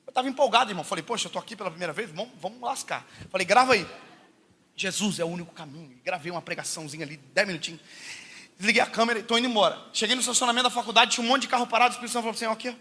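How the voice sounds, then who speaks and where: Fast, bright-voiced Brazilian preacher man. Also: high-pitched, breathy edge. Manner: animated, jokey, laughs often, swings from loud to hushed. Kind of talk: sermon with comic storytelling.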